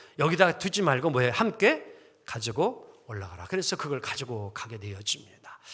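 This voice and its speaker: A man speaks in a bright, sharp tone with vocal fry and very wide pitch swings. The recording is very clean, with a silent background. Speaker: pastor. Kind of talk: sermon. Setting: church. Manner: many hesitation fillers.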